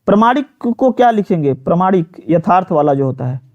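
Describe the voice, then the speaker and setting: A man's voice: high-pitched, sing-song, fairly quick, dull audio. A man from teaches a live online exam-prep class. He talks students through each question, repeats words and keeps asking them for answers, with plenty of fillers. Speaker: Hindi teacher.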